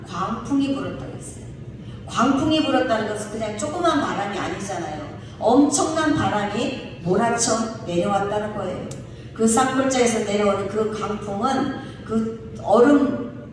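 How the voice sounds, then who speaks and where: A woman pastor preaches in a lively way, often asking her listeners questions. Her voice carries through a big, echoing church from a mic set some way off. A faint hiss sits under the sound. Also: medium pitch. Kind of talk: sermon. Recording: echoey hall, distant mic, faint hiss.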